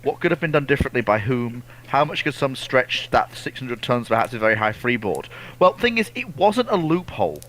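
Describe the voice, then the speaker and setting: A man's voice: mid-range voice, very animated, fairly quick, few pauses, a bit bright, rough recording. A man co-hosting a casual history discussion, reading out and answering viewer questions, often repeating words and restarting phrases.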